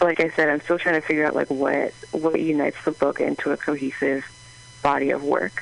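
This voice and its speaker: The speaker talks at a fairly quick pace with an American accent. Noticeable background noise is present. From US Northeast (suburbs of Boston). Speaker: author and zine writer. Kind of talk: interview.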